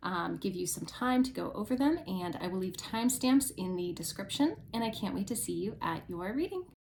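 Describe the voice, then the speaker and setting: A woman talks at a fairly quick pace with lively intonation over noticeable background noise. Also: medium pitch for a woman, hardly any pauses. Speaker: tarot reader. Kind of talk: tarot reading. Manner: hesitant, many fillers.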